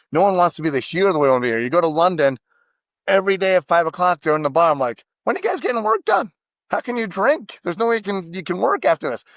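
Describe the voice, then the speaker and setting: Emphatic, animated American man. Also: fairly high pitch, no room sound. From United States. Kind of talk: casual podcast conversation.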